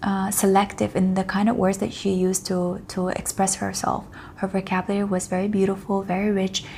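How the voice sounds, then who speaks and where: At a fairly quick pace, a woman with a non-native accent speaks at medium pitch. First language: not English. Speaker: etiquette consultant. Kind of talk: vlog talk to camera. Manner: hesitant, with filler sounds.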